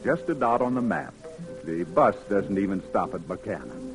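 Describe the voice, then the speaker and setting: A man's voice: low voice, sing-song, moderate pace, music in the background. A young man with a Southern accent narrating and playing a Navy veteran coming home in a 1940s radio drama, earnest and plain-spoken.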